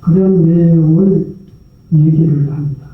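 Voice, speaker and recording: A man's voice: fairly high pitch, fairly even intonation, unhurried. A male Buddhist monk giving a sermon, telling a story in a loose, conversational way and asking rhetorical questions. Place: large temple prayer hall. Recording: very echoey hall, distant mic, tinny sound.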